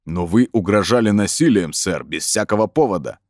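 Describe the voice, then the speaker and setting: A man's voice: lowish voice, expressive, moderate pace, darkish tone, no echo, close to an everyday voice. A man performs a burly police officer for an audiobook. He is stern, polite and official, in a male voice recorded dry and close. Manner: stern, formal.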